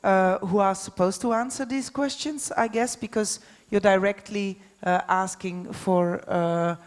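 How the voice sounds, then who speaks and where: Female debate moderator, mid-pitched, polite and halting, long hall reverb around the voice. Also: steady tone. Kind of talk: spontaneous live moderating.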